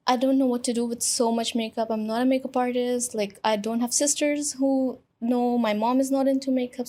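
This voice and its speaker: A young adult influencer from Pakistan tells her story as a guest in a casual interview, chatting with many fillers. Her voice is a little high with a darkish tone.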